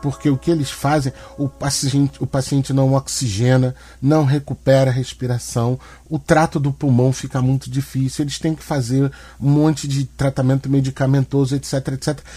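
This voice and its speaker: At a moderate pace, a man speaks in a medium pitch with a flat monotone, his tone dark and mellow and somewhat breathy. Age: 40s. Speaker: podcast host and public school teacher. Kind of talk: solo podcast monologue. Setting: at home. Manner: casual and conversational.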